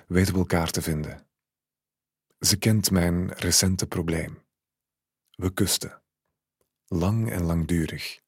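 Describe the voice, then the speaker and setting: A man calmly narrating a literary short story in the first person. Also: sits low, slightly rough, no echo, clean studio sound.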